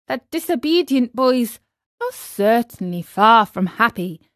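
A remorseful young wooden puppet boy, as a woman reading a storybook puts him on, earnest and childlike as he pleads. His voice sits high, and the delivery is unhurried. The sound is close and dry. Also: a bit bright, no room sound. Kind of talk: storybook character voice.

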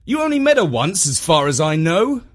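A man playing a well-meaning, awkwardly diplomatic gentleman in a storybook, polite, earnest and emphatic. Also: a little high, sing-song, measured pace, voice pushed up. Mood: exasperated.

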